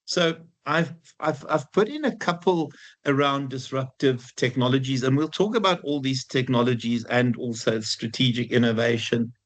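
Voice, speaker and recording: A man's voice: mid-range voice, normal speed. A man with a heavy Afrikaans South African accent, lecturing a class informally and conversationally, often repeating himself and putting questions to the students. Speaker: university lecturer.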